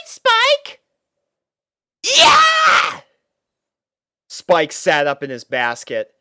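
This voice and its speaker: Slow, dry-sounding story narrator. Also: mid-range voice, smooth, dry recording. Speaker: fan fiction reader and narrator.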